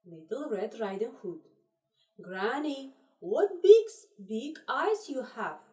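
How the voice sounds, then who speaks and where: Woman primary teacher, warm, animated intonation, recorded from a distance in a roomy space. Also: on the high side. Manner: encouraging, repeats instructions slowly in three languages. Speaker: English teacher. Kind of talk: classroom lesson for young pupils. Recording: roomy echo, distant mic.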